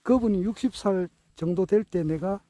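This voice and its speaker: A man in his sixties giving a reflective spoken talk, earnest and hesitant, with many drawn-out fillers and self-corrections. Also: high voice, mellow, no room sound, poor audio. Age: 60s. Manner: earnest, self-correcting while counting out years. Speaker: speaker sharing reflections on his teachers.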